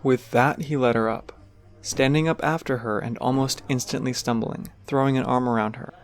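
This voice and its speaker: A man's voice: medium pitch, steady tone, normal speed. A man giving scripted third-person narration for an audio drama.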